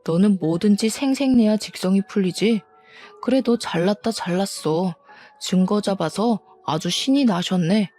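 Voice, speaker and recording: A blustering, quick-tempered cheating husband, as a woman reads him out in a storybook drama reading. The voice is mellow and soft-edged rather than bright, and the retorts come in scornful, defensive bursts. Faint music plays underneath. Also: mid-range voice, lightly acted.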